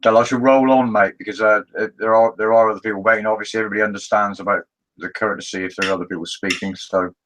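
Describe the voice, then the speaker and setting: A man's voice: fairly low pitch, steady tone, quick pace, a bit bright, rough recording. A man chatting casually as a co-host on a livestream. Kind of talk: casual chat.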